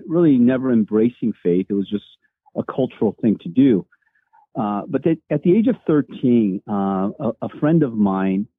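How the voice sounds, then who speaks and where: A man's voice: medium pitch, slightly rough, dry recording. A Korean-born man, a senior pastor, telling his story earnestly as a guest, with many fillers and restarts, heard over a remote call. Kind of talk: casual storytelling interview. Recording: dry, tinny phone-like line.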